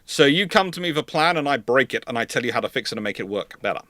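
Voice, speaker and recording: On a naval history livestream, the host, a consultant, responds to questions with hesitant repetitions and emphatic restatements. He talks fast in a mid-range voice with lively intonation and a sharp tone, captured dry with clean studio sound.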